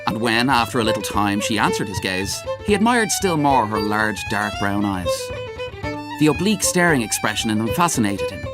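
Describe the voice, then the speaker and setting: A man narrating literary fiction as an audiobook reader, with dramatic, measured storytelling. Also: lowish voice, very animated, over loud music. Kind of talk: expressive scripted literary narration.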